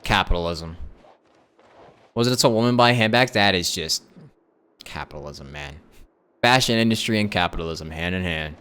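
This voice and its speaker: A man's voice: low-pitched, expressive, moderate pace, long pauses, bright, forceful tone, clear, resonant tone. A man streaming a game with casual, informal commentary, repeating phrases for emphasis. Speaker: live streamer. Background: game music.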